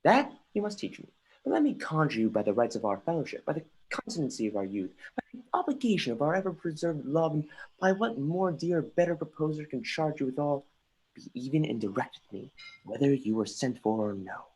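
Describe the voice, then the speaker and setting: A performer acts out a young Danish prince in a Shakespearean stage reading. He is sardonic and brooding, declaiming theatrically at a middling pitch, with the odd stumble over the verse. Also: big pitch swings, fairly quick, a little mellow, breathy edge, low-quality recording. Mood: probing. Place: remote livestream from home.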